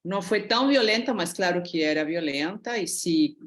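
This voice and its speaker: A woman's voice: fairly low pitch, normal speed. A middle-aged woman from Peru with a Peruvian Spanish accent, talking at length and with feeling as a student in an online class. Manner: animated, talkative, reflective. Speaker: student asking a question.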